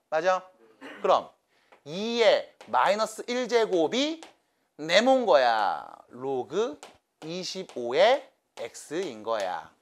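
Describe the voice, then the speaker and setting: A man's voice: a little high, a bit bright. A man teaching a math class to students, coaxing and checking in with them by name.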